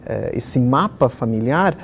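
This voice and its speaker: A middle-aged man who was born in Israel, telling personal stories as a children's author in an animated conversational interview style, with many fillers. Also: mid-range voice, slow pace, slight background noise.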